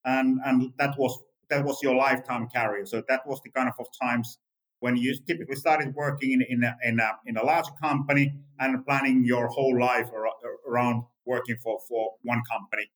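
A man in his fifties with a Finnish accent, a native Finnish speaker answering interview questions in English, halting and full of restarts and repeated "let's say" fillers. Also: mid-range voice, fairly even intonation, a bit bright, low-quality recording. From Finland. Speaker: guest founder.

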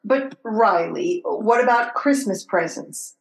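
A woman acting a practical, exasperated housewife and mother in old-time radio comedy, dry and gently scolding. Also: mid-range voice, animated, slow pace, vocal fry, echoey room, rough recording. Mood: worried.

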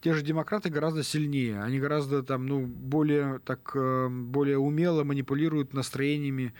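Man correspondent on radio, halting speech, dry studio sound. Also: medium pitch, steady tone, a little mellow, dry recording. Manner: hesitant, many fillers and restarts. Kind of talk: casual radio conversation.

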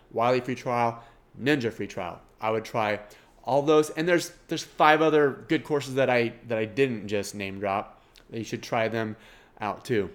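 Middle-aged male podcast host, Kansas twang, nasal tone, casual rambling and self-deprecating delivery. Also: mid-range voice.

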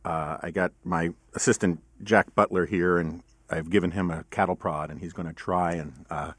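Podcast host: middle-aged man, deep voice, giggly laugh, rambling and self-deprecating, close dry sound. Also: fairly even intonation, normal speed, husky, dry recording. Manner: rambling, self-deprecating, many ums and uhs. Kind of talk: casual studio chat.

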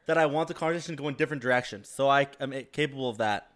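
A man's voice: medium pitch, very fast, a bit bright. A man on a casual comedy podcast, sheepish and defensive, swearing often while his friends roast him. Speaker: podcast host.

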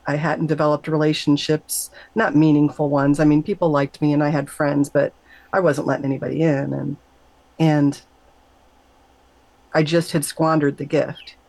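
The voice is a woman's, darkish in tone, recorded with no echo but in poor quality. As a middle-aged guest on an interview show, she relates her brush with death earnestly and conversationally, and she jumps high in pitch to act out what others said.

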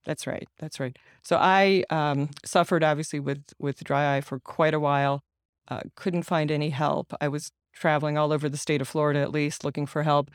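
A man's voice: on the high side, steady tone, normal speed, smooth, dry recording, clean studio sound. A middle-aged man raised speaking Ukrainian, answering interview questions in an earnest, explanatory way with frequent restarts. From United States, Ukrainian American family. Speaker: guest, patient advocate and author.

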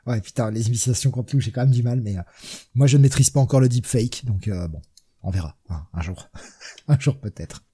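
A man's voice: medium pitch, a little fast, mellow, slightly rough. A man hosting a casual comics podcast, swearing freely and laughing at his own jokes. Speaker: podcast host. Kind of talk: casual chat.

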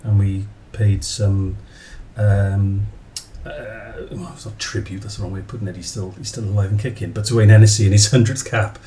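A man in his forties hosts a casual podcast in a low, soft-edged, mellow voice. He rambles gently and corrects himself mid-thought. There is faint background noise on the recording. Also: little pitch movement, normal speed. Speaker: podcast host. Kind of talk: casual chat, podcast introduction.

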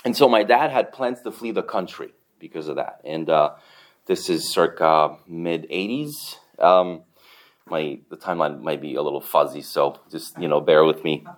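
A deep-voiced man in his forties with a Romanian accent tells his story to a church congregation. He talks in a loose, conversational way, leaning on fillers and little chuckles as he goes. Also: normal speed. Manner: relaxed, chatty, many fillers, soft chuckles. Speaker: church planter giving a testimony.

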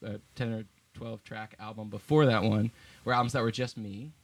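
A man's voice: lowish voice, fairly even intonation, normal speed, dry recording. Young guy from vermont, band leader, rambly and laughy, lots of ums. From Vermont, USA. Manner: chatty and laughing, with many fillers and restarts. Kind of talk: casual interview chat.

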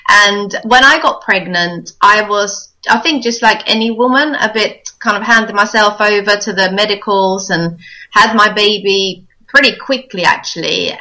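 A woman's voice: medium pitch, sharp tone, rough recording. A woman in her forties from Sweden, a podcast guest telling her story candidly in a casual interview. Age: 40s.

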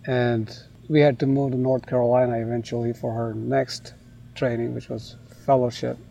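A man in his forties from India, a winery owner telling his story in a friendly, unhurried podcast interview. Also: mid-range voice, little pitch movement, creaky, dark tone.

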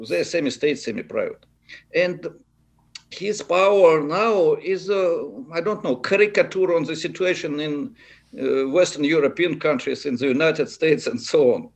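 Creaky-voiced Russian man giving political analysis. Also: a little high. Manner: halting, searching for words in non-native English. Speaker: interviewee, political commentator. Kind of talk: unscripted political analysis in an interview.

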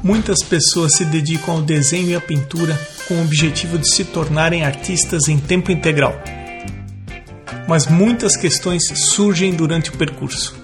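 High-voiced Brazilian man hosting a podcast. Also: steady tone, moderate pace, over music. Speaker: podcast host. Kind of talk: podcast introduction and conversational interview.

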